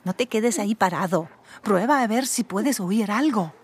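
A woman's voice: medium pitch, expressive, moderate pace, a little mellow, close to an everyday voice. A woman playing a teasing, instructive guide who explains scenes in a scripted radio drama. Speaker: narrator figure guiding Harry.

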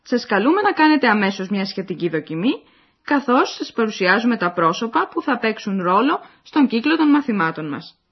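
A woman's voice: on the high side, very animated, breathy edge. A woman reading the scripted narration of a language course, explaining and addressing the listeners. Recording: dull lo-fi recording.

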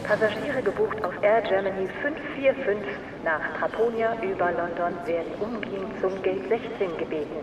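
An actress playing a formal, impersonal airport announcer calling passengers in a radio drama. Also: female voice, medium pitch, moderate pace, over music, close to an everyday voice. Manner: formal public-address announcement. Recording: echoing, distant, noisy airport announcement.

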